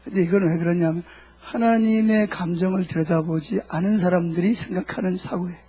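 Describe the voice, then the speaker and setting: A man's voice: high-pitched, steady tone, fairly quick, warm tone, breathy edge, highs cut off. A middle-aged male pastor preaching a sermon, asking the congregation questions and answering them himself, and voicing God's words and a believer's prayers.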